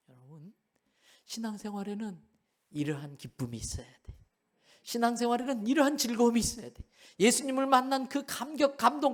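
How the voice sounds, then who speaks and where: A middle-aged male pastor delivers a sermon with theatrical flair. He swings from loud, ringing exclamations to near-whispers. He preaches in a church sanctuary. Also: high voice. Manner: dramatic, swinging from loud exclamations to hushed tones.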